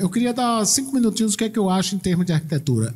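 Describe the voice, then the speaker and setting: Against noticeable background noise, a man speaks with lively intonation. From Pernambuco, Brazil. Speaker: information security expert and author. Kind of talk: panel discussion. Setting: stage with audience.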